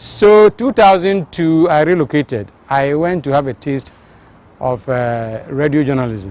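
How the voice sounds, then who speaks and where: Using an ordinary speaking voice, a man talks at a fairly slow pace with a fairly high pitch and lively intonation. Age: 60s. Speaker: senior journalist. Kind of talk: TV interview.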